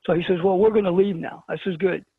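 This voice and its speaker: Calling in over a tinny phone line, a talk show guest from Brooklyn, New York, tells a personal story in a fast, high-pitched, gravelly and husky voice with a Brooklyn accent. He's an animated storyteller who acts out the dialogue, and the recording is dry.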